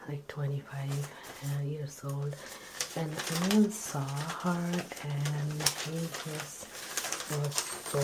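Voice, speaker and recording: Slow, low whispering woman storyteller. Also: mellow, slight background noise, poor audio. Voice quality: whispery, breathy. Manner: halting, repetitive, improvised phrasing.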